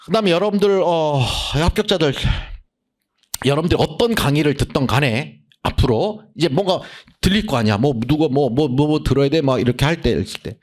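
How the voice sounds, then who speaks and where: Animated blunt man lecturing. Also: a little high, fairly quick. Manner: blunt, animated, acts out students' voices. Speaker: English literature lecturer. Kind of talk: casual lecture orientation.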